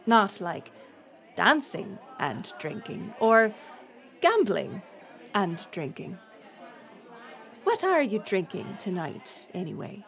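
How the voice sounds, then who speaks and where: A woman's voice: mid-range voice, huge pitch swings, slow pace, gravelly, long pauses, fairly bright tone, a faint crowd, exaggerated voice. A woman playing a bold, teasing pirate smuggler captain in an audio roleplay, playful and sardonic in manner. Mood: flirtatious, playful. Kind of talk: intimate audio roleplay storytelling.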